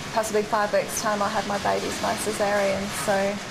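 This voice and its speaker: A woman speaks very quickly in a room with audible echo and noticeable background noise. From Australia. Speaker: pregnant patient. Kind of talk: TV interview. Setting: hospital.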